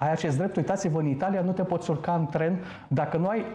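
Fairly quick speech with audible room echo. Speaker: studio commentator. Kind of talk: news talk discussion. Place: studio. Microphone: lapel.

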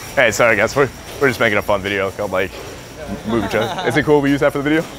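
A man talks at a very fast pace in a dry sound with no echo. Clear music plays in the background. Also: ordinary pitch variation. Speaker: YouTube prankster. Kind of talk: casual talk with strangers. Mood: friendly, apologetic. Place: shop.

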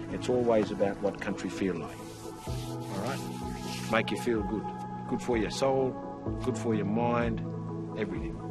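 Music plays in the background as a man talks at a moderate pace. He leaves long, frequent pauses. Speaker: local cultural guide. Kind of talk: guided explanation to visitors. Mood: warm, calm, earnest. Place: open country.

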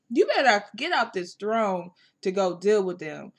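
A woman with an American accent, fairly high-pitched and at a fairly slow pace, over a quiet background. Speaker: tarot reader. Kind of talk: tarot reading to camera. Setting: online video, self-recorded. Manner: casual, chatty. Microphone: phone near.

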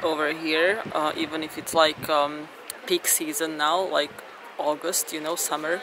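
A woman's very deep, low voice at a fairly slow pace with fairly even intonation, dry with no echo, over noticeable background noise. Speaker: travel vlogger. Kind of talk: casual vlog chat. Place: waterside. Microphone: phone near.

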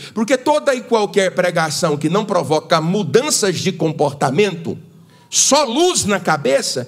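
Shouting in an animated, theatrical tone, a man speaks at a fairly slow pace and a high pitch with very wide pitch swings. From Brazil. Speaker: Pentecostal preacher and teacher. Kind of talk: sermon preached to a congregation with call-and-response. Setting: church or stage with live congregation. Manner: animated, exhorting, repeatedly prompting the crowd to echo and shout; emphatic, theatrical, shifting between teaching and mimicry. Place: church.

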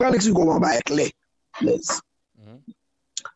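Nothing much sounds behind the voice. It moves along at a fairly slow pace. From Haiti. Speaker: youth organization leader and civil society spokesperson; guest commentator. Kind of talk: interview. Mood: calm, serious political talk. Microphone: video call.

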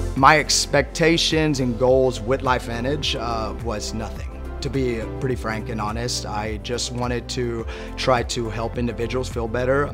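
Music clearly audible behind a man's moderate-paced speech. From Germany. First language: German. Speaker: gym manager and head trainer. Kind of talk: testimonial interview answer. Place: gym. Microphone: lapel.

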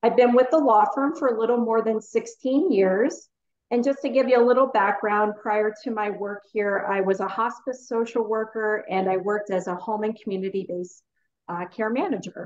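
A woman talks at a fairly high pitch with ordinary pitch variation. Light background noise is present. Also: moderate pace. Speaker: long-term care planner. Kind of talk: webinar presentation. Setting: video call. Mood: warm, personal. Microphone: video call.

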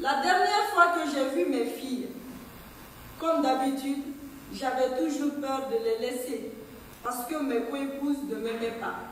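A woman talks at a high pitch and a fairly slow pace, with long, frequent pauses and ordinary pitch variation. Strong room echo and light background noise fill the recording. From Senegal. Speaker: refugee reading testimony; reader at poetry event. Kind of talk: reading aloud. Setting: stage with audience. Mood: sober, personal. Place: hall.

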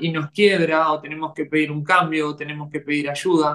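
Against a quiet background, a man speaks at a moderate pace with a fairly high pitch. His intonation is monotone and flat. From Uruguay. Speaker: interviewer, palliative care professional; interviewer. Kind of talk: interview. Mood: warm, thoughtful. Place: home room. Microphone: webcam.

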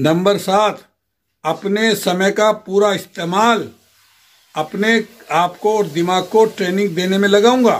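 Pitched high, a man speaks with fairly even intonation. He leaves long, frequent pauses. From India, Uttar Pradesh (Meerut, Ghaziabad). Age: 70s. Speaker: YouTuber promoting a network marketing scheme. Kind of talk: motivational sales pitch.

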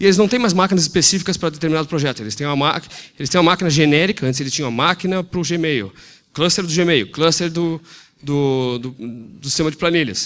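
At a very fast pace, a man with a fairly high pitch speaks with ordinary pitch variation. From southern Brazil. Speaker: tech startup CTO; conference presenter. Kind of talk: conference talk. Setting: stage with audience. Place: hall.

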